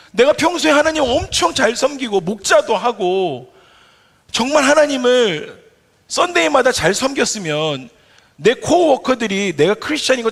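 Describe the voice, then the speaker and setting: A pastor voicing a desperate believer who pleads with God in anguish, recorded with long hall reverb. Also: male voice, very high-pitched, fairly bright tone, pitched above the performer's own voice, exaggerated voice. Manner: desperate, pleading, complaining outcry.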